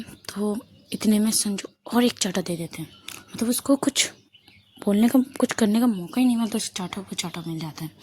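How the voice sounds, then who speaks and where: A woman narrating a love story in a casual, soft-spoken way, often dropping to a whisper. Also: mid-range voice, a little hiss or hum.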